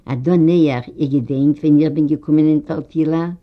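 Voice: medium pitch, steady tone, normal speed, natural voice. A reader voicing a shy, eager young woman who has just arrived, speaking earnestly and politely with a slightly raised voice. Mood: reminiscing. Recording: dull lo-fi recording.

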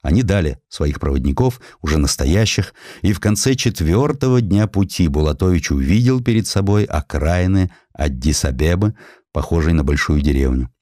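A man narrating a historical story in an expressive, theatrical storytelling manner. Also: low voice, moderate pace, no room sound, studio quality. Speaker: audiobook narrator.

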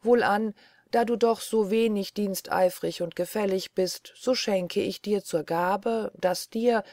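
A woman voicing a calm, stately fairy. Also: medium pitch, no room sound. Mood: solemn. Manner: calm, measured, solemn.

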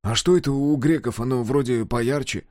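A man's voice: mid-range voice, moderate pace, darkish tone, no room sound, clean studio sound, voice pushed up, lightly acted. A man voicing a naive, anxious woodcarver who calls out plaintively and bewildered, in an audiobook. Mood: plaintive, alarmed. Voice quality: hoarse. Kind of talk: audiobook character voice.

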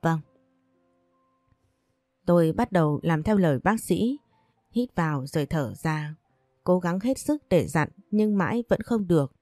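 A woman narrating a first-person story in a steady, earnest way. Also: fairly low pitch, normal speed, no room sound, faint music behind.

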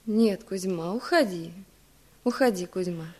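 A woman's voice: mid-range voice, a little slow, warm tone, close to an everyday voice. An actress playing an anxious married village woman in a radio drama, pleading, pitying but firm.

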